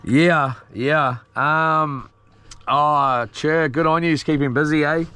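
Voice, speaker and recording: Broad Kiwi bloke, clear higher-pitched voice. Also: male voice, steady tone, takes it slowly, sharp tone. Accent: broad New Zealand. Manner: slangy, matey, rambling. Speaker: live streamer. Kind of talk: casual live-stream chat, reading out and answering viewer comments.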